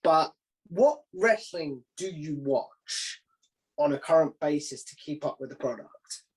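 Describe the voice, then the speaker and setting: A man's voice: on the high side, lively intonation, unhurried, rough recording. Casual, opinionated man interviewing. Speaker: podcast interviewer.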